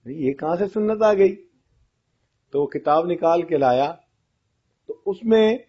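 Man giving a lively religious lecture. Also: a little high. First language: Pashto-region colleagues mentioned, not him. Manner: storytelling, asks the audience questions. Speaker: Islamic lecturer. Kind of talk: religious lecture with humorous anecdotes. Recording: dull lo-fi audio.

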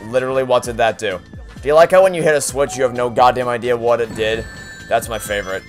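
A man's voice: mid-range voice, fast talker. A young man talks over his gameplay in a mid-range voice, sarcastic and exasperated, swearing as he complains. Game music plays faintly behind him. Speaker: let's play host. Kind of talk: profane frustrated gameplay commentary.

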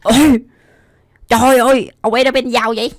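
A man's voice: very high voice, flat delivery, brisk. Young man reacting casually over music. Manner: exclaims often, giggles while commenting. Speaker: YouTube host reacting to animations. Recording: music behind the voice.

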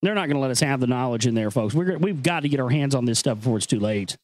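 A man's voice: medium pitch, expressive, fast, a little mellow, no echo. A man hosting a show, moving between dramatic reading and casual, earnest, conspiratorial commentary. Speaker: host reading an ancient text with commentary.

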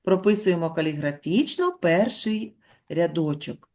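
A middle-aged woman teaching a primary school class, dictating slowly and patiently to young children. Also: fairly low pitch, darkish tone. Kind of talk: classroom lesson.

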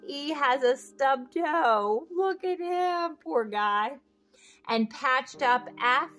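Slow, high-voiced woman reading to children. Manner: slow, expressive, sing-song, talking directly to children. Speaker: children's book reader. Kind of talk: read-aloud storytelling for young children.

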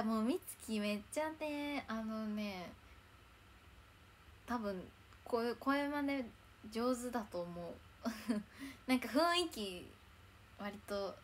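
A young woman chats through a casual livestream, bubbly and easygoing, pausing to thank viewers as she goes. Her voice sits a little high for a woman. Faint background noise runs under her phone-mic audio. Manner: chatty, bubbly, reads comments and thanks viewers. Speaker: idol livestreamer.

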